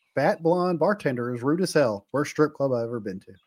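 In an animated tone, a man talks at a fairly quick pace. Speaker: podcast host. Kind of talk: casual banter. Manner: animated, joking.

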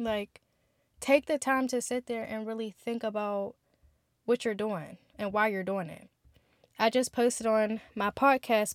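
On a very clean recording with a silent background and a dry, close sound with no echo, a woman speaks at a fairly slow pace and fairly high pitch with ordinary pitch variation. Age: 20s. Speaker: podcast host. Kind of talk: casual monologue. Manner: informal, filler-heavy.

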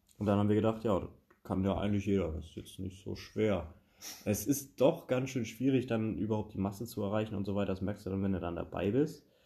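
Somewhat breathy, a man speaks at a fairly quick pace with fairly low pitch, a dark, mellow tone, and ordinary pitch variation. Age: 20s. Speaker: podcast co-host. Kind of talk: casual chat.

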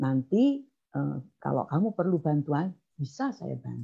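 Very deep and low for a woman, this voice has a dark, mellow tone and moves at a moderate pace. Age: 60s. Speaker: participant, mother. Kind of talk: online discussion.

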